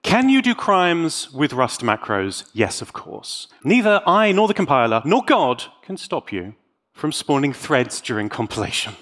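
A British man delivering a scripted tech talk as a conference speaker, theatrical and wry, with dramatic pauses. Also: on the high side, sing-song, a bit bright. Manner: wry, tongue-in-cheek.

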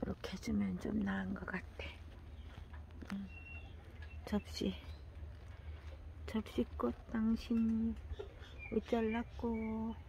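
An older woman talking slowly to herself while tending plants in a casual gardening vlog, often dropping into a half whisper. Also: fairly high pitch, flat delivery, gravelly, warm tone, a little hiss or hum. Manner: slow, murmuring, often drops to a half whisper. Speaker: gardening vlogger.

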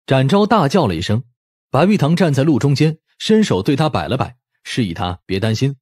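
Husky, expressive male audiobook narrator. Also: medium pitch, brisk, no echo, studio quality. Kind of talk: dramatic scripted narration.

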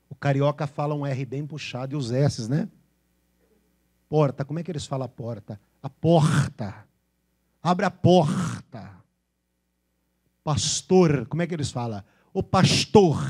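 A man's voice: a little high, darkish tone, breathy edge. A man preaching a sermon to his congregation in a São Paulo interior accent, playfully imitating regional ways of speaking. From Brazil. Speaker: pastor. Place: church with a congregation.

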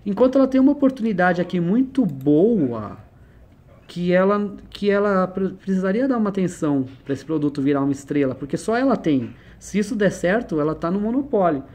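A man's voice: high voice, expressive, a little fast, dark tone. Man explaining business concepts casually. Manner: conversational, explains with everyday examples and asks questions. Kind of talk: informal one-on-one lesson.

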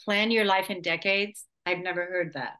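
A woman's voice: on the low side, fairly even intonation, moderate pace, pushed and bright, smooth. A woman hosting an interview over a video call, encouraging and affirming her guest. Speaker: host.

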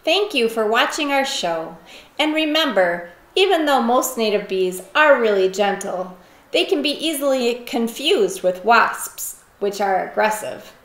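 Lively woman presenter in echoey room. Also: fairly high pitch, a little slow. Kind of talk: scripted closing narration for children.

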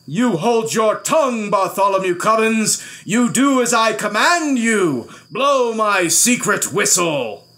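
A man's voice: sits high, big pitch swings, slow, hardly any pauses, sharp tone, pitched above the performer's own voice, exaggerated voice. A man voicing an angry, imperious old king in a storybook, growling and bellowing as he stretches out his words. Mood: commanding.

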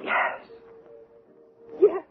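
A woman's voice: extremely slow, faint music behind. An actress playing a poised, well-spoken woman in her thirties in a radio drama, with a wary edge. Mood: shaken. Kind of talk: 1970s radio drama acting. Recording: narrow tinny old radio broadcast.

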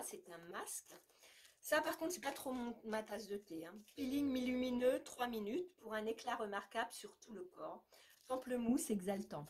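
A woman's voice: fairly high pitch, slight background noise. A woman chatting casually and enthusiastically through a beauty box unboxing, full of fillers and asides. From France.

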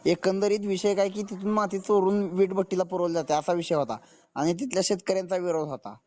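A man's voice: sits high, steady tone, brisk, a little mellow. A man in his twenties with a rural western Maharashtra accent, a local reporter defensively but deferentially explaining himself on a phone call. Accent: rural western Maharashtra Marathi. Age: 20s. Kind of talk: phone conversation.

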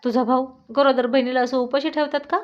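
A woman's voice: high-pitched, fairly even intonation, fast, lightly acted. A woman voicing a playful, teasing young husband in a storybook reading, with a coaxing manner. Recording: dull lo-fi recording.

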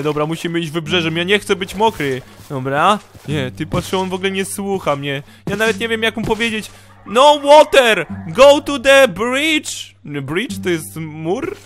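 A man with a Polish accent, commenting excitedly on his game for viewers and switching into broken English now and then. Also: a little high. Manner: animated, yelps and talks to viewers, broken English asides. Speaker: gaming YouTuber. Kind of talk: excitable Minecraft let's play commentary. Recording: music playing faintly under the voice.

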